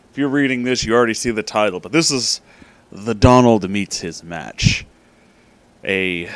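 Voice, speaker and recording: A man with a lowish, slightly bright voice hosts casually, reading fan fiction aloud. His delivery is emphatic and dramatic, making it a piece of informal comedic storytelling.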